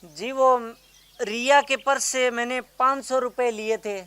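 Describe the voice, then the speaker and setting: A man's voice: extremely high pitch, steady tone, measured pace, bright, forceful tone, a little hiss or hum, exaggerated voice. A man playing a henpecked young house-husband in a comedy skit, complaining and pleading to get away. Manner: whining, pleading.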